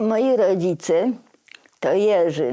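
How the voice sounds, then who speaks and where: A dark, mellow female voice with very wide pitch swings. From Poland, Warsaw. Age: 80s+. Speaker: Holocaust survivor. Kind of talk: testimony interview.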